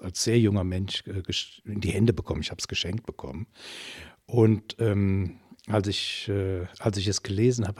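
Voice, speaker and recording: An older man with a husky, rather low voice, answering interview questions slowly and thoughtfully. He hesitates often and restarts his sentences. The sound is dry and close, with no room around it. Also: warm tone, dry recording. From Germany, Eifel region. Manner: hesitant, many fillers and restarts. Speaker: interview guest, social worker.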